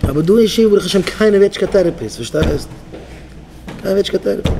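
A man's voice: high voice, very fast, noisy background. A man with a Hasidic Yiddish accent, a rabbi preaching to yeshiva students and leading them in call-and-response chants. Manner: exhorting, leads the crowd in call-and-response chants.

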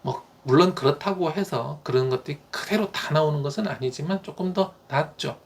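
A man who teaches elementary school gives parents calm, explanatory advice, with frequent "uh" fillers. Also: a little high, brisk, vocal fry, slight background noise.

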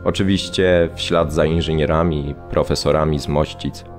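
An actor playing a sombre former political prisoner, recalling his past in a measured, reflective radio drama monologue. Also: extremely low pitch, fairly even intonation, faint music behind. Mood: grave, reflective.

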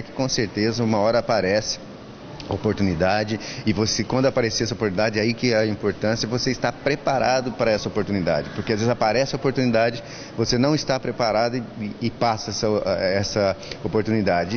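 Brazilian man, 50s, earnest advice-giver, low voice, lo-fi handheld mic with clear hall noise behind. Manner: earnest, advice-giving, many restarts. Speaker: school staff member interviewed. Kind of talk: on-camera event interview. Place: indoor school fair hall. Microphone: handheld mic held by interviewer.

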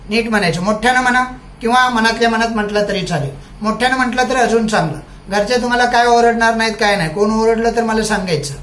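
A man's voice: high voice, a bit bright, slight background noise. Man drilling vocabulary in an echoey room. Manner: drills words by repetition and asks quiz-style questions. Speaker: teacher. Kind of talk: classroom-style recorded lesson.

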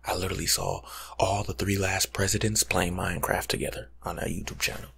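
A young American man doing a casual, slangy ASMR life coach roleplay in a hushed, breathy half-whisper, close to the mic. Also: sits low, little pitch movement, a little fast, slight background noise. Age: young adult. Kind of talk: ASMR roleplay monologue, softly spoken and whispered. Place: small room at home, indoors.

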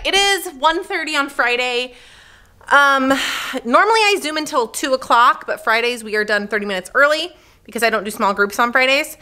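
A woman's voice: on the high side, bright, forceful tone. A young woman, a teacher, talking casually to camera in her classroom, upbeat and frank though tired and pregnant. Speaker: teacher vlogger. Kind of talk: casual vlog chat.

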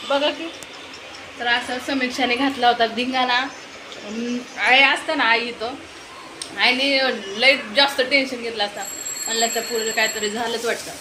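A woman vlogger chatting at home, telling an animated story and scolding in a casual family vlog. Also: on the high side, measured pace, pauses often. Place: home indoors. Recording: echoey home room with noise.

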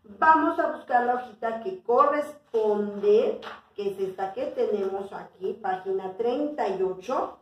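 A woman teaching a kindergarten class, drilling syllables slowly and clearly with a coaxing teacher's tone. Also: mid-range voice, lo-fi sound. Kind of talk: recorded class for young children. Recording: echoey room, voice a little far from the mic.

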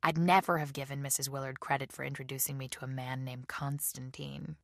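A woman reading a novel aloud as a measured, subdued first-person audiobook narration. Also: rumbling low, little pitch movement, creaky, no echo, clean studio sound. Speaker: audiobook reader.

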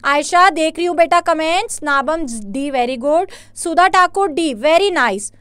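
Woman, very high voice, dry close sound; upbeat online tutor calling out student answers. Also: fairly bright tone, dry recording. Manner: interactive, reads out students' answers and praises them; mixes Hindi with English terms, reads questions slowly. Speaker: online biology teacher. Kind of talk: live online exam-prep class.

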